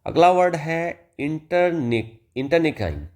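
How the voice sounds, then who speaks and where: A man teaching English vocabulary in a loose, conversational manner. He reads the example sentences slowly and deliberately, then explains them casually, now and then calling the listener "brother". His pitch sits in the middle range for a man. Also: expressive, darkish tone. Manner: mixes Hindi and English, addresses listener as "bhai". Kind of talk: explanatory lesson.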